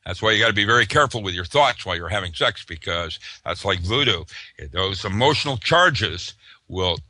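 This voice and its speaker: A man's voice: deep voice, bright, forceful tone, no echo. An older man talking as an interview guest, rambling loosely with lots of "uh" fillers and restarts. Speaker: interview guest, author and physicist. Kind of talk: casual interview talk.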